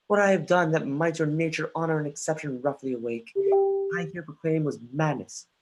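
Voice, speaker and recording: An earnest, brooding young prince played by an actor in a dramatic reading, speaking Shakespearean verse at a middle pitch. There is a playful defiance under the courtly words, heard over a livestream. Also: brisk, soft background music, lightly acted, rough recording. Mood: contrite, earnest. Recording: livestreamed remote call.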